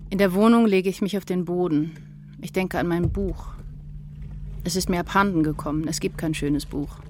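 A woman's voice: lowish voice, normal speed, darkish tone, a little hiss or hum, natural voice. An actress playing an anguished woman writer in a literary radio drama, intense and introspective in a poetic delivery. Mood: desolate. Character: anguished, brooding woman writer losing her sense of self.

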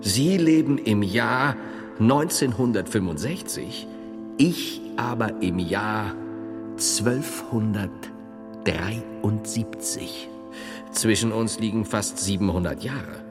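An actor playing a stern medieval monk and thinker in a radio drama, speaking in a solemn, precise, pedantic way. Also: male voice, lowish voice, slow. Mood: grave, reasoning. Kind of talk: theatrical radio drama acting. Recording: long reverberant hall, music underneath.

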